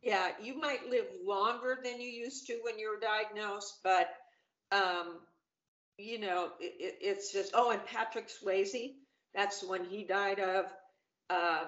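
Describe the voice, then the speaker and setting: A woman's voice: medium pitch, steady tone, slow, fairly bright tone. Roomy-sounding middle-aged woman on a video call. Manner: chatty, upbeat, many fillers and restarts. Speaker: panel guest. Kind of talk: casual video-call chat. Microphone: video call webcam. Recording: roomy, dull webcam audio.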